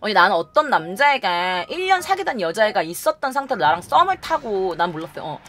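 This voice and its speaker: A young woman vlogger telling a story to camera in a casual, animated way, acting out quotes and laughing often. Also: medium pitch, fast talker, noisy background.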